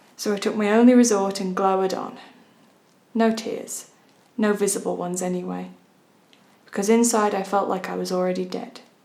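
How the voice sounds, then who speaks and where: Over noticeable background noise, a woman at a medium pitch talks at a moderate pace with fairly even intonation. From West Midlands. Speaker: author. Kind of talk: author reading of own novel.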